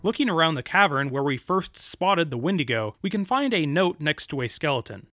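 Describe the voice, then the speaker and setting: A man's voice: a little high, sing-song, brisk, a bit bright, faint music behind. A man giving scripted narration as the host of a video game lore channel.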